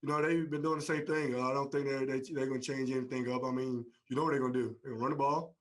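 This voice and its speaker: Very fast-talking man in casual interview. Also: mid-range voice, steady tone, soft background music.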